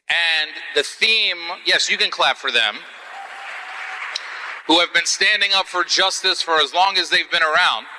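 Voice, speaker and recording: A man from Palestine hosting a live event, telling a stand-up story in an animated, wry, punchy way. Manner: animated, wry, punchy delivery with swings in pitch. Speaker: comedian and event host. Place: large church hall. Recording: live hall with long reverb.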